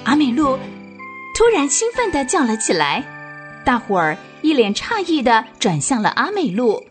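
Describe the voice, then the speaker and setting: A woman narrating a children's radio drama in an expressive storytelling manner. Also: high-pitched, moderate pace, faint music behind.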